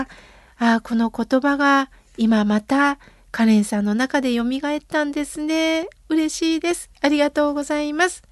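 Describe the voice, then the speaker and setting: A woman, a radio host and temple priest, reading listener letters aloud in a gentle, unhurried way and answering them. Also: high voice, no echo, studio quality.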